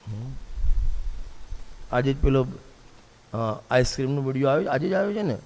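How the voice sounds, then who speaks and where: A man's voice: mid-range voice, animated, moderate pace, a little mellow. Man preaching a sermon in a reverberant hall. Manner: repeats a refrain, poses rhetorical questions to listeners. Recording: long reverb of a large hall.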